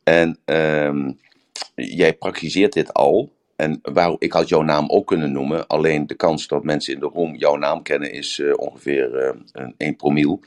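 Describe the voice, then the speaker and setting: Very deep-voiced older man, rambling. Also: steady tone, normal speed. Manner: rambling, searching for words, with anecdotes. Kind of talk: casual talk.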